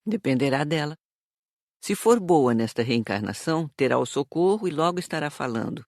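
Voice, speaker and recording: A performer playing a patient, moralizing spirit teacher, explaining in a measured, didactic way for an audiobook. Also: mid-range voice, lively intonation, darkish tone, no room sound, clean studio sound, natural voice. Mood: calm, instructive. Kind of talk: audiobook character reading.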